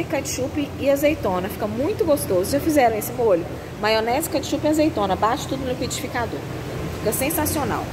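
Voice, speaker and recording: A Brazilian woman with a fairly high voice talks viewers through a restaurant buffet. She is chatty and instructive and keeps checking in with her audience. The sound comes from a handheld phone, with restaurant ambience clearly audible behind her. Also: noisy background. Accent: Brazilian Portuguese. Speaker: restaurant owner's family and cooking channel host. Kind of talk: walkthrough vlog of a buffet. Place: indoor self-service restaurant buffet. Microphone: handheld phone while walking.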